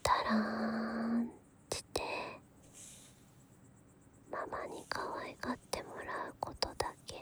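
In this whispered role-play, a gentle, doting mommy played by a woman talks to a baby in a breathy whisper. Her delivery is very slow and soothing, staying soft and even as she coaxes the little one to sleep. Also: fairly high pitch. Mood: tender, soothing. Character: gentle doting mommy babying and lulling a grown listener.

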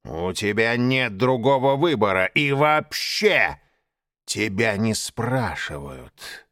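A man's voice: mid-range voice, very animated, measured pace, no echo, studio quality. A man voicing a stern, angry male panther in an audiobook, clipped and scolding. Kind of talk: audiobook character voice.

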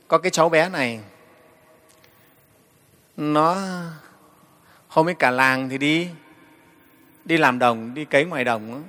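A man, a Buddhist monk giving a storytelling dharma talk to the assembly, often pausing on "đấy". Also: a little high, pushed and bright, big-room sound. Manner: storytelling, frequent "đấy" fillers, addresses the assembly.

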